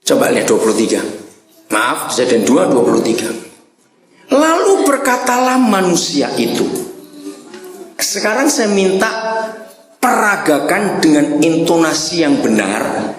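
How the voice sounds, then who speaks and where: A man preaching a humorous sermon, quizzing his congregation in an animated way. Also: on the high side, moderate pace. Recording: echoey hall with long reverb.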